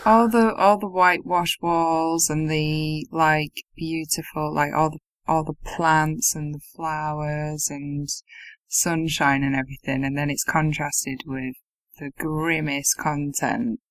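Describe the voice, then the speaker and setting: A woman's voice: low-pitched, steady tone, slow, dry recording. A woman co-hosting a casual film review chat, laughing often, swearing freely and sounding incredulous. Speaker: podcast co-host.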